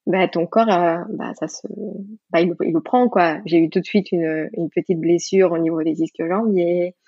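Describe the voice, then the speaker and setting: A woman's voice: on the low side, steady tone, normal speed, mellow, slightly rough, no echo. Mexican woman in her 30s, lots of restarts and little laughs, kinda muffled dry audio. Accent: Mexican Spanish. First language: Spanish. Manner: thoughtful, many restarts and fillers, laughs easily. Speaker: guest, yoga teacher. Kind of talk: podcast interview.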